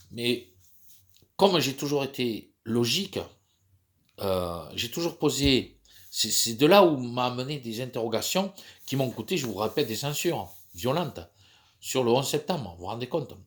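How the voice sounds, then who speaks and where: A man in his fifties with a cold, talking in a rambling, hesitant monologue full of fillers and restarts. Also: on the low side. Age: 50s. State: stuffy from a cold. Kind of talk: personal monologue.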